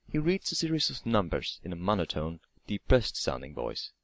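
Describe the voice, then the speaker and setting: A man's voice: low-pitched, huge pitch swings, a little fast, gravelly, no echo. A man reading a scripted creepypasta story aloud as narrator, now and then stumbling over and repeating words. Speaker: narrator of online horror stories.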